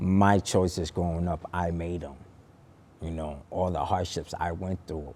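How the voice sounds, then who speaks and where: In an American accent, the voice moves at a fairly slow pace with fairly even intonation and a dark, mellow tone. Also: man, very deep, low pitch for a man. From Boston, US. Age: 40s. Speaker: youth mentor, nonprofit founder. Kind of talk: interview. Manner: passionate.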